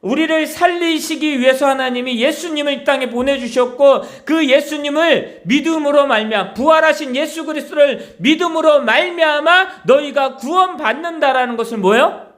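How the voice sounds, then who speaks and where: A man's voice: extremely high pitch, moderate pace, a bit bright. A man preaching a sermon as pastor, emphatic, repeating key words and tossing rhetorical questions to the congregation.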